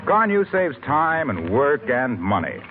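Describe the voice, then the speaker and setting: A man as a 1940s radio announcer with a brisk, salesy delivery. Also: mid-range voice, big pitch swings, slight background noise. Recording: tinny old radio with faint music.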